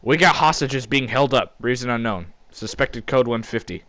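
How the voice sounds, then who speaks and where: A man voicing a brisk, impatient woman working as a police radio dispatcher in a comic story. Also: medium pitch, lively intonation, fairly bright tone, close to an everyday voice. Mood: official.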